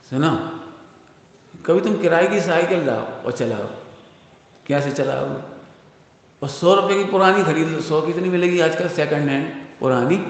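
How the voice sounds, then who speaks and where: A man's voice: on the high side, vocal fry. A male Jain preacher giving a conversational sermon, asking the audience questions and using everyday examples. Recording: echoey hall with long reverb.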